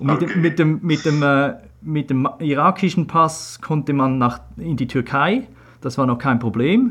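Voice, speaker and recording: A man speaks at a very slow pace. His fairly high voice has lively intonation. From Switzerland. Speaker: documentary filmmaker. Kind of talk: interview.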